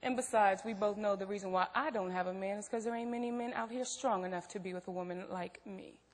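A woman's voice: medium pitch, fast, lightly acted. A woman acting in a stage play as a protective, outspoken best friend, blunt, probing and emphatic. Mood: firm. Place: theatre stage. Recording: echoey theatre hall.

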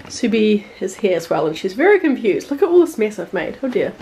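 A woman's voice: medium pitch, big pitch swings, fairly quick, mellow, slight background noise. A woman in her twenties with a New Zealand accent, chatting informally as a vlogger, with "like" sprinkled through her talk. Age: 20s. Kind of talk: casual chatty vlog to camera. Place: rooms at home. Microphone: handheld camera at arm's length.

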